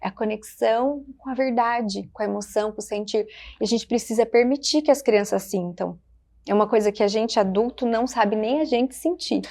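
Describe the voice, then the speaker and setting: A woman with a Brazilian Portuguese accent, a child development specialist speaking gently and reflectively in short phrases on a podcast. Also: fairly high pitch, brisk. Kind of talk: podcast conversation.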